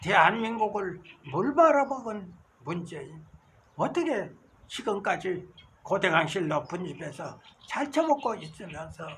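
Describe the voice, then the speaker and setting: Very slow speech with long, frequent pauses, big swings in loudness and very wide pitch swings. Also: man, high pitch for a man. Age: old. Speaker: political commentator. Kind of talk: political rant. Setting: outdoors.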